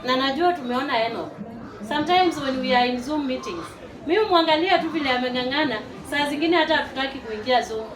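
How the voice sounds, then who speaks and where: A woman in her forties from Uganda, a teacher and network marketer, giving a lively testimonial to a live audience and rallying them to clap. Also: high-pitched, fast talker. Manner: lively, rallies the crowd to clap. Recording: echoey hall, far from the mic, noisy.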